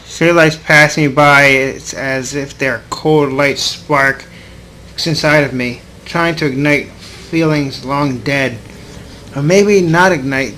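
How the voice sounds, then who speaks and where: Higher-voiced man, unhurried gaming commentator. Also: fairly bright tone, a little hiss or hum, low-quality recording. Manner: stumbles over words when reading aloud. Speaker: let's player. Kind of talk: gaming commentary with visual novel read aloud.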